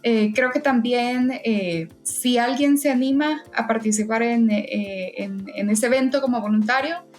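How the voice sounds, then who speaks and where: A woman's voice: on the high side, measured pace, hardly any pauses, soft background music. A woman guest in a casual interview, talking in a hesitant way with frequent fillers and restarts. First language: Spanish. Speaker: podcast guest, event volunteer.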